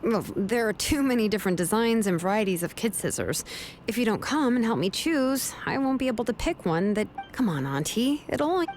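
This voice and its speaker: A woman voicing a brisk, coaxing young female craftsman in a game. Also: on the high side, animated, darkish tone, soft background music, natural voice.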